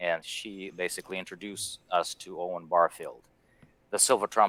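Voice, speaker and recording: With a Russian accent, a man speaks at a very deep, low pitch in a bright, sharp tone, showing ordinary pitch variation. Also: dry, close sound with no echo. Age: 50s. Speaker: author and translator. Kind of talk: interview.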